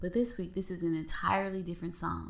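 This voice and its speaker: A very fast-talking woman, with audible room echo. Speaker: podcast host and songwriter. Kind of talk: casual monologue. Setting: at her workplace on lunch break. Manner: soft-spoken.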